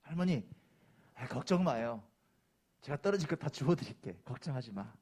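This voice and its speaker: A pastor voicing a kind young office worker who speaks in a soft, reassuring way. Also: male voice, mid-range voice, very animated, normal speed, slightly rough. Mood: gentle.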